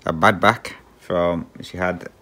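A man's voice: deep voice, steady tone, slow pace, gravelly, pushed and bright. A middle-aged Englishman with a slight Australian twang, chatting casually and rambling while he cross-stitches, with frequent ums and chuckles. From England. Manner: rambling, chuckles often, many ums and restarts.

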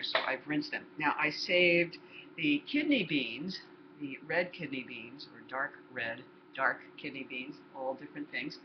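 A woman in her sixties giving a chatty home cooking demonstration in her kitchen, explaining each step to the viewer. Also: low-pitched. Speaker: cooking instructor. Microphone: laptop built-in mic. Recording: roomy, dull lo-fi laptop sound with background noise.

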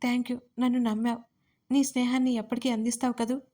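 A heartbroken young man from an audio story, read by a woman narrator, pleading for trust. His lines come out in a higher voice that stays flat. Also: fairly quick, close to an everyday voice.

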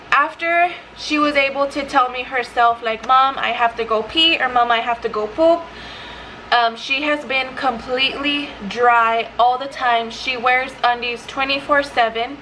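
A woman's voice: fairly high pitch, normal speed, bright, forceful tone, slight background noise, poor audio. A young woman chatting casually to camera in her living room, a mom vlogger full of "like" and quoted bits of her toddler. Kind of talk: casual vlog talk to camera. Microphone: camera in front.

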